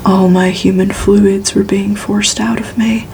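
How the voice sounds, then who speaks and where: A woman whispering a novel aloud as ASMR, in a breathy, soft and soothing, unhurried delivery. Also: medium pitch, flat delivery, slight background noise, low-quality recording. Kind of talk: whispered ASMR audiobook reading.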